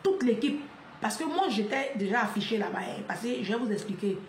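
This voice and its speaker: A woman's voice: fairly high pitch, animated, brisk, echoey room, slight background noise. A woman, delivering a fiery, scolding monologue to camera. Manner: fiery, scolding, repeats "là" and "hein". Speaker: online commentator.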